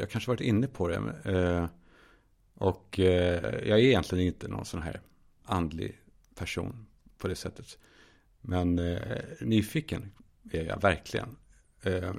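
A man's voice: sits low, vocal fry. A man hosting his own podcast, talking in a candid, musing solo monologue, swearing casually with lots of fillers and restarts. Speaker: podcast host.

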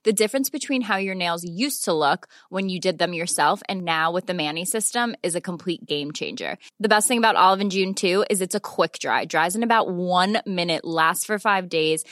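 A woman's voice: lowish voice, moderate pace, hardly any pauses, a bit bright, no echo. Upbeat woman reading a dry ad. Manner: upbeat, enthusiastic. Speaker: podcast co-host reading an ad. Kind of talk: read ad.

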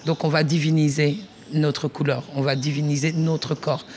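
A woman's voice: low-pitched, level tone, normal speed, a little mellow, a little hiss or hum. Woman researcher, reflective workshop talk, hesitant and searching, with frequent restarts and a familiar tone. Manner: thinks aloud with many restarts, addresses the listener informally.

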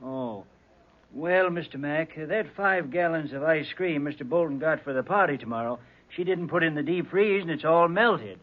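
An actor playing a timid, deferential farm hired hand with hesitant rustic speech in a 1940s radio drama. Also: male voice, a little high, moderate pace, lightly acted. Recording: thin, lo-fi 1940s radio recording.

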